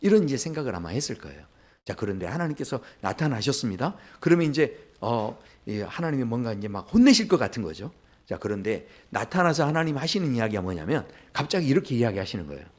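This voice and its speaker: A man's voice: medium pitch, quick pace. A man pastor preaching a sermon in a church, talking straight to the congregation and acting out the voices in the stories he tells. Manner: lively, acts out voices in quoted dialogue; talks directly to the congregation with questions. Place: church sanctuary.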